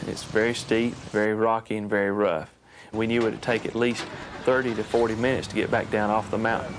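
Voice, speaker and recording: Male paramedic, lowish, flat delivery, clinical, noisy background. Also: brisk. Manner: clinical, even reporting. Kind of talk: interview testimony.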